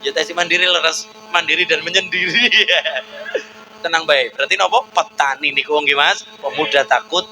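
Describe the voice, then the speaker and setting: A man with a Javanese accent preaching a lively sermon, jumping to high calls and chanting prayers. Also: normal speed, soft background music, poor audio. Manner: animated, swings into high shouts, chanted Arabic prayers.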